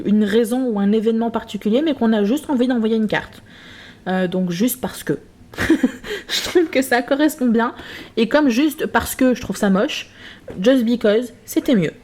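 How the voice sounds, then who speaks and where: A craft vlogger chats casually to camera in her home craft room, rambling with lots of hesitations and a self-mocking tone. Her voice is on the high side and a little mellow, at a measured pace, picked up by the camera's built-in mic.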